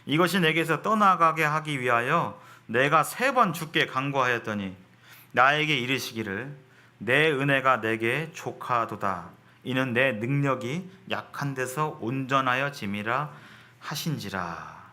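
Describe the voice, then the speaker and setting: Guy preaching a sermon, bright sharp voice, asks stuff then answers it himself, restarts words a lot. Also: mid-range voice, lively intonation. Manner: asks the congregation questions and answers them himself; reads scripture slowly.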